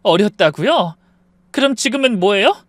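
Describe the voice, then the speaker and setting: A man's voice: sits high, big pitch swings, fairly quick, dry recording, pitched above the performer's own voice. A man voicing a hurt young wife who pleads with her father and argues back at her husband in a raised voice. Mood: indignant. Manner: pleading, indignant.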